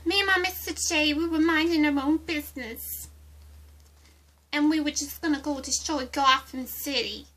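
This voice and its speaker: A woman playing a giddy, childlike clown villainess with a high, girlish voice and cutesy, singsong delivery in an amateur roleplay. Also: fairly even intonation, normal speed, fairly bright tone, low-quality recording. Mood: chatty, aggrieved. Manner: cutesy, singsong, pet-name-dropping.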